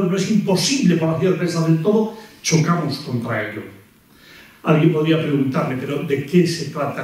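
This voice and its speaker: A man's voice: fairly high pitch, a little mellow. Echoey older Spanish man lecturing. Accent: Spanish from Spain. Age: 60s. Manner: deliberate, rhetorical, with repetitions and pauses. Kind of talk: philosophy lecture to an audience. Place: lecture hall at a table. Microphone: gooseneck table microphone. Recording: very echoey hall, distant miked voice.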